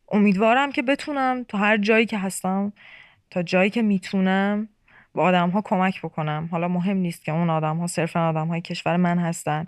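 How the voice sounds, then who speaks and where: Ordinary pitch variation and a fairly quick pace in an unremarkable speaking voice. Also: woman, medium pitch for a woman. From Iran, Tehran. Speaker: podcast guest sharing life story. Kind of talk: casual interview conversation.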